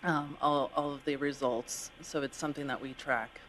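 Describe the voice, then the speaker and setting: A female staff member with a very low, level voice. She answers questions at a public meeting in a measured, explanatory way. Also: steady tone, crowd noise, low-quality recording.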